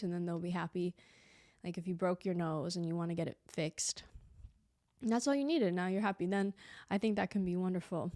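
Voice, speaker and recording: A woman's voice: lowish voice, a little mellow, no echo, studio quality. A young woman hosting a solo podcast in a reflective, conversational way, sounding a little stuffy and slightly lispy from a dental aligner. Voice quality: a bit lispy from a clear aligner. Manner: reflective, conversational, many fillers and asides. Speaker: podcast host. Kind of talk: casual solo podcast monologue.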